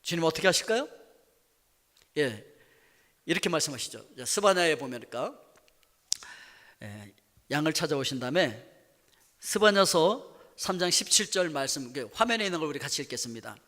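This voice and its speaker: Brief: a pastor with a high, bright voice, dramatic delivery, in a reverberant sanctuary. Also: male voice, big pitch swings, normal speed, pauses often. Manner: dramatic, swinging from loud to hushed. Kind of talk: sermon. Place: church sanctuary. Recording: echoey church hall.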